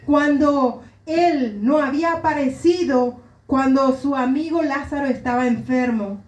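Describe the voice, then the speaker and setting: Slow, high-voiced Argentine woman pastor. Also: darkish tone. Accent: Argentine Spanish. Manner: earnest, emotional personal testimony. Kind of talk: sermon testimony. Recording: roomy echo.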